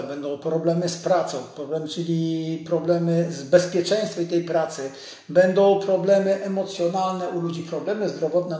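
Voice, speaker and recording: A man's voice: sits high, darkish tone. A man in his sixties giving an informal live talk to viewers, explaining things conversationally, with a strong echo from a large empty room. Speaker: doctor hosting a live stream. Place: large, empty, hard-surfaced dental office.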